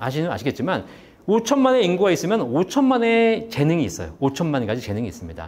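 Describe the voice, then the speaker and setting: A man at a high pitch, talking at a very fast pace with very wide pitch swings. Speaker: pension expert lecturer. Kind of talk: public lecture. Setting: stage with audience. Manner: animated, rhetorical questions to audience.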